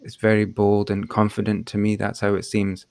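Gravelly low-voiced male podcast host. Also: completely flat delivery, normal speed, a little mellow. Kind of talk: scripted podcast intro and interviewing.

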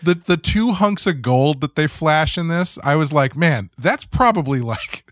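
A man's voice: a little high, animated, unhurried, a bit bright, dry recording, studio quality. A man co-hosting a casual podcast, chatty and jokey. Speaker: podcast co-host. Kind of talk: casual chat.

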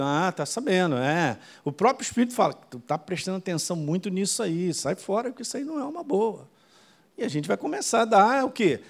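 Animated, high-voiced pastor preaching. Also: male voice. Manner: animated, conversational preaching with quick asides. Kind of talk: sermon.

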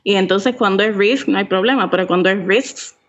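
A woman's voice: mid-range voice, a little fast, highs cut off. A woman podcaster chatting as an interview guest, laughing often, self-mocking and dropping in English words. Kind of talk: casual interview chat.

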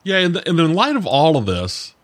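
A man co-hosting a podcast, talking in an animated, casual way with self-deprecating asides. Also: on the high side, normal speed. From Virginia, US. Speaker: podcast co-host. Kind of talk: casual conversational talk.

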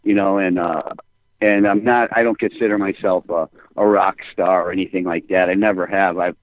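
A man's voice: sits low, fairly even intonation, moderate pace, no room sound. Rambling man with a muffled sound. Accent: Chicago. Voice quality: rambling, repeats words. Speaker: musician guest. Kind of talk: casual phone interview.

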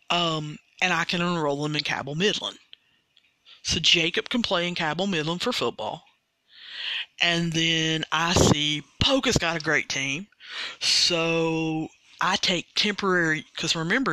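A podcast host, explaining a rule slowly and carefully in a casual monologue. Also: mid-range voice, pushed and bright, no echo, poor audio. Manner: slow, deliberate, careful explaining with restarts.

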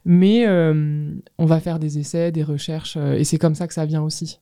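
Hesitant woman in her thirties, mellow low voice. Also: fairly even intonation, moderate pace, dry recording, clean studio sound. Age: 30s. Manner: hesitant, searching for words. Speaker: guest artist, ceramicist. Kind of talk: casual interview answers.

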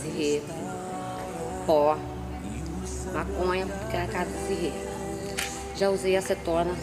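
Low-voiced woman over loud music. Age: 40s. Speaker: testimony speaker. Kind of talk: recorded testimony.

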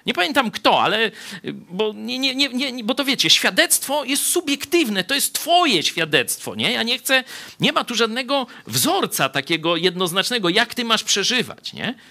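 Man, pastor, conversational sermon, animated swoops in pitch, bright forceful tone. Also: normal speed, creaky. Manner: conversational, frequent tag "nie?"; lively, swings between soft asides and raised emphasis. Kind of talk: sermon Bible study.

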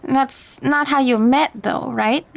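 Caring, higher-voiced motherly Latina confidante. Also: slow, vocal fry, exaggerated voice. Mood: playful, curious. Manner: gentle, code-switches into Spanish. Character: caring, probing motherly Latina confidante, teasing but gentle. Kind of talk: naturalistic fiction podcast acting.

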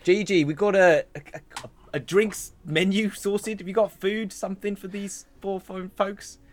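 A man giving voice to a bustling tavern host in a tabletop game, reassuring everyone and rambling on. The voice sits a touch high and stays close to an ordinary speaking voice, fussing over the guests as he goes. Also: fairly even intonation, normal speed, close to an everyday voice.

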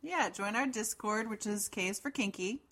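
A middle-aged woman with a deep voice, co-hosting a podcast in casual banter with dry, understated interjections. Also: moderate pace, a bit bright. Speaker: podcast co-host.

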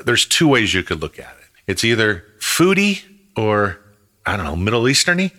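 A man's voice: lowish voice, very animated, moderate pace, pushed and bright. A man co-hosting a casual podcast, joking around and laughing often. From half Italian, half Greek family. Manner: jokey, laughs often, drifts into goofy voices. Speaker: podcast co-host.

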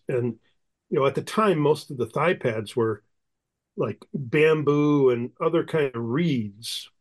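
A man's voice: mid-range voice, low-quality recording. A man talking as a guest historian in a casual interview, rambling and often circling back with "you know.".

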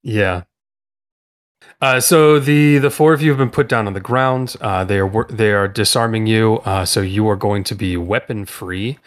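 A man narrating a tabletop role-playing session as game master, unhurried and full of filler sounds. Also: on the low side.

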